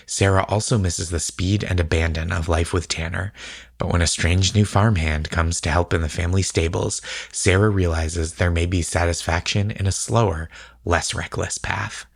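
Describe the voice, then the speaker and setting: Male co-host for a relaxed chat show: very deep, gravelly edge, encouraging delivery, close dry sound. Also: moderate pace, dry recording. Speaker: podcast co-host.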